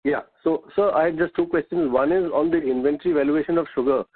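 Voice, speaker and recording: A man's voice: a little high, quick pace, breathy edge. A man, an analyst politely putting questions on an earnings call, heard over a phone line. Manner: polite, questioning, addresses others as sir. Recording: muffled tinny phone line.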